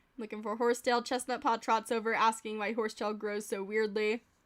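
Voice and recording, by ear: A woman speaks at a fairly quick pace and a fairly high pitch, with little pitch movement.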